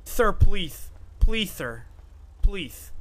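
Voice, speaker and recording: High, bright, pleading meek young guy. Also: sing-song, moderate pace, slight background noise. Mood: desperate pleading. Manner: obsequious, repeats polite pleas. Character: pleading, servile young son, a meek rookie. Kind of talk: improvised online game role-play.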